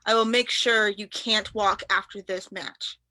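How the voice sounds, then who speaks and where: A woman acts out a young wrestling prince, full of threats and bragging. The voice is bright and forceful, at a middling pitch for a woman. The recording is dry, and it sounds like an amateur script read-through. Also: steady tone, measured pace, no echo. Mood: menacing, boastful. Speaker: actor in a staged reading.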